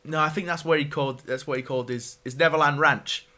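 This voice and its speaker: Brief: male gaming co-host, high bright voice, sarcastic and argumentative banter. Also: steady tone, fast. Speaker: let's play co-host. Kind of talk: casual banter over video game.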